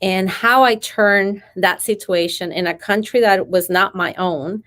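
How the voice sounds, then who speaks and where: A woman's voice: mid-range voice, a little slow, a bit bright. A middle-aged woman from Venezuela with a Venezuelan Spanish accent, telling her story earnestly and carefully as an interview guest. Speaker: podcast guest, motivational speaker.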